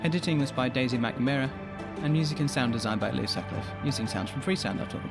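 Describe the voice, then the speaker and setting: A man's voice: mid-range voice, fast talker, creaky. Man narrating trailer credits over music. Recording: music behind the voice.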